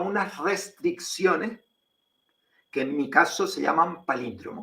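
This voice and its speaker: In a Canarian accent, a man speaks. His pace is fairly slow. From Canary Islands, La Palma. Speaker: writer and statistics professor. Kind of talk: interview.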